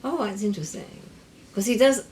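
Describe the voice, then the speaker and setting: A middle-aged woman, a perfumer hosting a casual chat, explaining ingredients in a lively, chatty way with asides. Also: medium pitch, brisk, a crowd in the background. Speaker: perfumer and show host.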